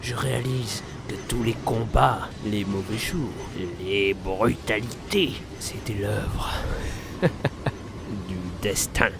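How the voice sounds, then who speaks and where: A man playing a mad, theatrical supervillain clown in a French game fan dub, menacing and wistful, with a creaky voice. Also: lowish voice, slow pace, background noise. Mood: sly reverie. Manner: theatrical monologue, breaking into cackles. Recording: dramatic music behind the voice.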